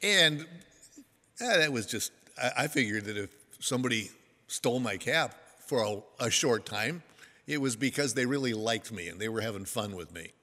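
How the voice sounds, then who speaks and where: An older man preaches in a bright, forward voice, his pitch rising and falling freely as he tells a folksy story. He pokes fun at himself between points. A long reverb trails his words through a large hall. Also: expressive, normal speed. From United States. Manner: folksy storytelling with self-deprecating humor. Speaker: pastor. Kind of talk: sermon.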